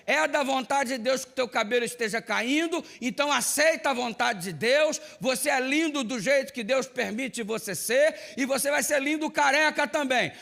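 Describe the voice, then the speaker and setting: A man's voice: very high voice, creaky, bright, forceful tone, pitched above the performer's own voice, exaggerated voice. A man quoting a blunt teasing mother.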